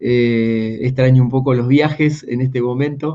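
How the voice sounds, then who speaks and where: With an Argentine accent, a man speaks at medium pitch. His tone is dark and mellow. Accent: Argentine Spanish (Rioplatense). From Argentina, small town south of Buenos Aires province. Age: 50s. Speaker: executive coach and speaker. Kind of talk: interview.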